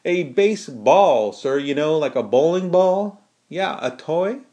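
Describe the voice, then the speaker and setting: A man's voice: fairly high pitch, expressive, unhurried, dark tone, pitched above the performer's own voice. A man voicing a cheeky, glib young American soldier in an audiobook, with folksy slang and a wheedling way of talking.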